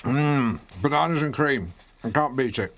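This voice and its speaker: Pompous radio host. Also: male voice, mid-range voice, animated, measured pace, a bit bright. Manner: pompous, rambling, awkward. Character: self-important middle-aged male local radio host. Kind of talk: local radio show hosting.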